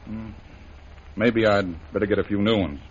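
An actor playing a brisk, blunt adventurer in a vintage radio drama. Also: male voice, on the low side, faint music behind, natural voice. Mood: cheerful. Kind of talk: 1940s radio acting. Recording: muffled old radio recording.

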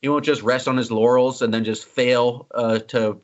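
A man hosting a casual sports podcast, teasing his co-host and joking as he moves quickly through topics. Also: medium pitch, fairly even intonation. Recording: slightly dull lo-fi audio.

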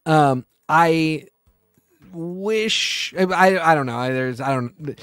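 A male podcast co-host offers his take in a thoughtful, hesitant way, pausing and restarting as he works through his points. His voice is on the higher side and smooth. The recording is dry and close. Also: fairly bright tone, no echo, faint music behind. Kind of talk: casual chat.

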